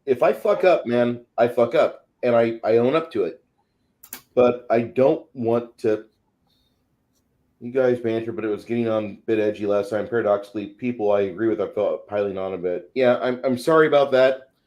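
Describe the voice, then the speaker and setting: A man's voice: medium pitch, normal speed, darkish tone, highs cut off. A man in his forties co-hosting a casual livestream, talking bluntly and swearing freely. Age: 40s. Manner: blunt, profane. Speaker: show co-host.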